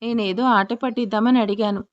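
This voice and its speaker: A woman's voice: a little high, fairly even intonation, fairly quick, lo-fi sound, natural voice. Teasing young husband in a romance audio story, put on by a woman narrator: playful, fond, light voice. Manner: teasing, then apologetic.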